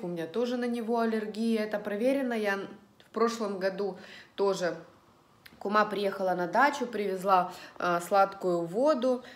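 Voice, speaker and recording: A middle-aged woman talks to her viewers in a casual, rambling way, as a vlogger would over a meal at home. Her voice sits at an average female pitch. The room adds a clear echo around her. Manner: rambling, chatty, telling everyday stories. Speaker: lifestyle vlogger. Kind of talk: casual chat to viewers while eating. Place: indoors at home in an echoey room. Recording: roomy, echoing indoor sound.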